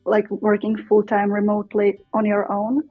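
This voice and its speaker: A young adult woman from the Czech Republic with a Czech accent, a Czech teacher speaking English casually as an interview guest, thoughtful and pausing often. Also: mid-range voice, monotone, dry recording, narrow, tinny audio, soft background music. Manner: thoughtful, many fillers and restarts.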